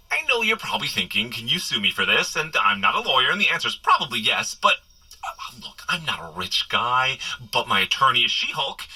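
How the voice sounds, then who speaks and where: A man's voice: medium pitch, pushed and bright, husky, heavily acted, low-quality recording. A man playing a flustered, wisecracking superhero who rambles sheepishly as he coaches a runner in a comedic audio drama. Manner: rambling, sheepish, nervously joking asides. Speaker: character guide in an audio running adventure.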